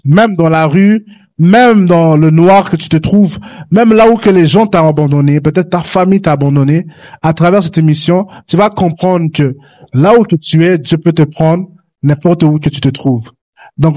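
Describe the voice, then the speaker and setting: A man who grew up in Canada hosts a Christian youth talk show, earnestly exhorting young listeners with many restarts. His voice is on the high side and a little mellow, at normal speed with no echo.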